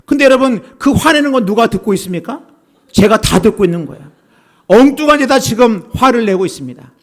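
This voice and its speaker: A pastor delivers a Sunday sermon at a church service. His voice is a man's, pitched notably high. He preaches earnestly and keeps turning to address the listeners directly. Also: lively intonation, fairly quick.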